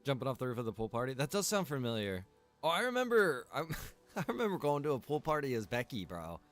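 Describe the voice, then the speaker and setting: A man's voice: mid-range voice, very animated, fast talker, fairly bright tone, faint music behind. A man chatting casually while streaming a game, informal and slangy, with some swearing. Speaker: streamer and game server developer.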